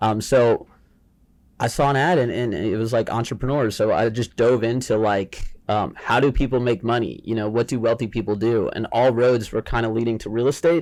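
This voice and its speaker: A man with an American accent speaks at a moderate pace in an unremarkable speaking voice, with medium pitch, ordinary pitch variation and a quiet background. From New Jersey. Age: 20s. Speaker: real estate investor. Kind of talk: casual chat. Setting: studio.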